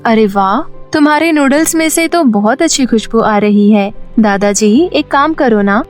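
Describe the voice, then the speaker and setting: A woman's voice: fairly high pitch, lively intonation, measured pace, faint music behind. A woman voicing a cheerful, generous young fairy who loves food, chirpy and friendly, in a children's story cartoon. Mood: eager, friendly.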